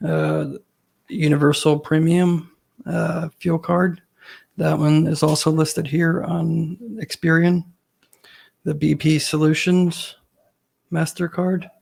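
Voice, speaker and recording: Hoarse man hosting a casual explainer. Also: on the high side, a little mellow. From Ohio, US. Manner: casual, with many ums and uhs. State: hoarse, coming down with a cold. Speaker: host.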